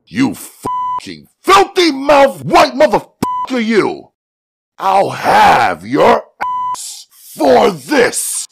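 A man's voice: high-pitched, huge pitch swings, drawn-out words, creaky, fairly bright tone, husky, voice pushed up, full character voice. A male narrator playing an angry, proud, streetwise father who growls and curses in an audiobook. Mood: furious. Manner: growling, cursing.

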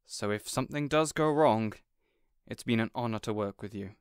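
A man's voice: fairly low pitch, moderate pace, smooth, no echo, clean studio sound, close to an everyday voice. A man playing an earnest, protective supervillain boss in an audio roleplay, dramatic and easily exasperated. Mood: apologetic, resolute. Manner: earnest, exasperated, wholesome mild oaths. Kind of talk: audio roleplay addressed to the listener.

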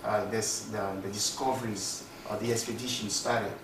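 Young francophone west african guy giving an informal talk, hesitant, way off mic in a boomy room. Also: fairly even intonation, normal speed. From Togo. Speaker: tour founder, guest speaker. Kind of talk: informal presentation. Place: small classroom, standing by a screen. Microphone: far camera. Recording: very echoey room, distant mic, noisy.

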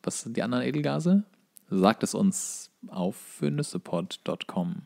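A man's voice: mid-range voice, animated, normal speed, gravelly, a little mellow. A man in his thirties co-hosting a podcast in casual, rambling chat, with a dry, tongue-in-cheek manner. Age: 30s. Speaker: podcast co-host.

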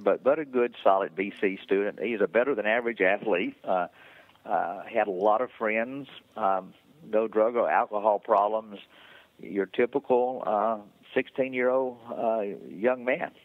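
Middle-aged man, very low voice, halting phone-interview guest, tinny line. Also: no echo. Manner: halting, many fillers and restarts. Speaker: interview guest, foundation founder.

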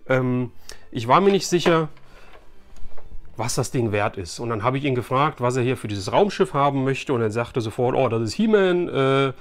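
A man's voice: medium pitch, animated, normal speed. Chatty, enthusiastic man from Germany. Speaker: YouTube host, toy collector. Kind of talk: casual chat to camera. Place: small furnished room lined with shelves of collectibles.

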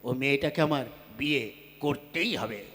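A man's voice: medium pitch, moderate pace, lightly acted. A man voicing a hard-of-hearing old village man who wants to remarry, in a puppet show comedy with folk music behind. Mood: muttering. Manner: loud, squabbling, mishears everything.

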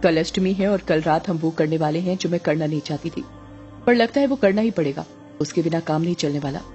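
Brief: a commanding witch mother for a horror audio story, read by a woman, mellow tone with faint music behind. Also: deep voice, fairly quick, highs cut off, voice pushed down, close to an everyday voice. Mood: low scheming. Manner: scolding, commanding. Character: scheming middle-aged witch mother, stern and bossy.

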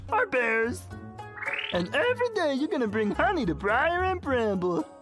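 A woman voicing a feisty, excitable cartoon bear with a bossy, scolding manner. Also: sits high, normal speed, music in the background. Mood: scheming. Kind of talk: cartoon dubbing.

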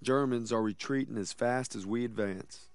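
A man's voice: mid-range voice, normal speed, no echo, studio quality, natural voice. A man playing a reflective American soldier, giving scripted narration in a war game. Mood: sober.

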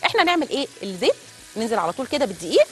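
A woman's voice: on the high side, very animated, very fast. A woman with an Egyptian accent hosting a TV cooking show, chatting straight to viewers as she cooks in a studio kitchen. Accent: Egyptian Arabic. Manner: chatty, addresses viewers directly. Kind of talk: live cooking demonstration.

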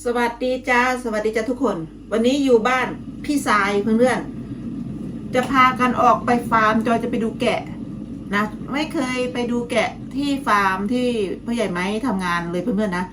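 A middle-aged woman, a little hoarse from calling, chatting casually to her viewers in a home vlog, friendly and talkative. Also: fairly high pitch, moderate pace, noisy background. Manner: chatty, friendly, ends phrases with soft polite particles. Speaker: vlogger.

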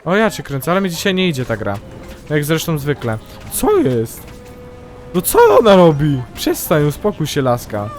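A young man commentating his own gameplay, excitable and yelping loudly whenever something goes wrong. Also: on the high side, brisk, soft background music. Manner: excitable, yelps and shrieks at mishaps. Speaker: gaming YouTuber. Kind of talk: let's play commentary.

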